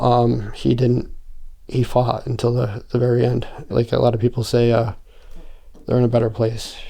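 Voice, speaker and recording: A man's medium-pitched voice with an American accent, somewhat breathy and shaky, dark and mellow in tone, at a moderate pace. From upstate New York. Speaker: interviewee, son of cancer victim. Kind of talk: interview testimony. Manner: halting, repeats words.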